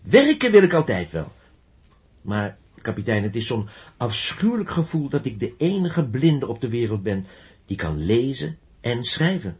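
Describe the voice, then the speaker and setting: Young male idealist man acting, radio play: earnest, stubborn, fervent, very animated melody. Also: mid-range voice, normal speed, close to an everyday voice. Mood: earnest, wistful. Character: earnest young blind inventor-teacher, stubborn, idealistic, lonely.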